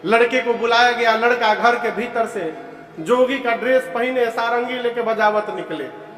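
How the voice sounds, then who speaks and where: Brief: man, high voice, slow storytelling preacher with an Eastern Uttar Pradesh accent, chants verses, echoey hall with faint music. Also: fairly bright tone. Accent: Eastern Uttar Pradesh (Purvanchal). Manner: storytelling, questions the audience, chants verses slowly. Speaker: kathavachak preacher. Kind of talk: devotional sermon with sung verses.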